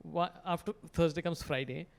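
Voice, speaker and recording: A man hosting a casual comedy podcast, joking and rambling with quick asides. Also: a little high, creaky. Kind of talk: casual chat.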